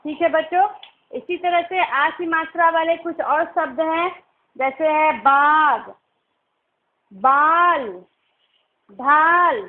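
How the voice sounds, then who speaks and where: A woman teaching young children, slowly and patiently sounding out syllables and simple words. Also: extremely high pitch, steady tone. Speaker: primary school teacher. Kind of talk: recorded online class lesson. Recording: tinny phone-like recording.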